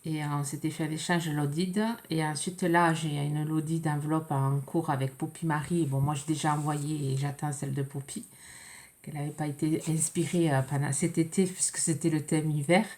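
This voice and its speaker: A French woman with a cold, chatting casually and hesitantly as she opens a mail package, with many pauses and fillers. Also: low voice, little pitch movement, darkish tone. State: congested with a cold. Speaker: scrapbooking vlogger. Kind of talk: casual unboxing chat.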